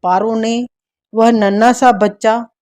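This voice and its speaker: Slow, mellow woman narrating an audiobook. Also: a little high, steady tone.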